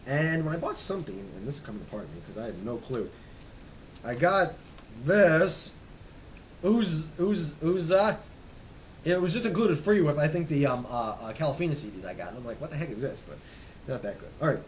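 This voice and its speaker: A young man casually rambling as he shows off his music collection, stammering and restarting, hoarse and losing his voice. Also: fairly high pitch, lively intonation, moderate pace, slight background noise, poor audio. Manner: enthusiastic, rambling, stammers and restarts, trails off quietly. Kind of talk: casual rambling show-and-tell.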